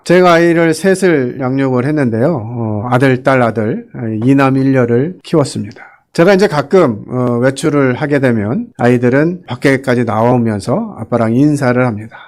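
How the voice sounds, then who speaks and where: A man's voice: mid-range voice, lively intonation, normal speed, darkish tone. A middle-aged man preaching a teaching sermon as a pastor, earnest and asking his listeners questions. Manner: earnest, asks listeners questions, acts out quotes.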